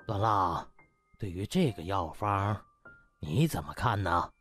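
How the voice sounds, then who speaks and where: A stern old senior doctor acted by a male narrator speaks low and reproachfully. He is an authoritative audiobook character, with music behind him. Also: expressive, takes it slowly, a bit bright, full character voice. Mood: calm questioning. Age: older.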